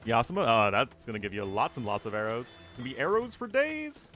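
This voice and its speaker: A man's voice: medium pitch, big pitch swings, quick pace, a bit bright, faint music behind. A man giving casual live commentary on a strategy game match while answering chat questions, chatty and thinking aloud. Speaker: streamer and caster.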